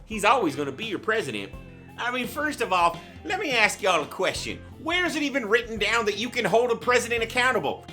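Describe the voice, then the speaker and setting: A brash redneck pundit , played by a man, who shouts, swears and rambles through his rant. His voice is sharp and forceful, with faint music underneath. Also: sits high, full character voice. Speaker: guest ranter.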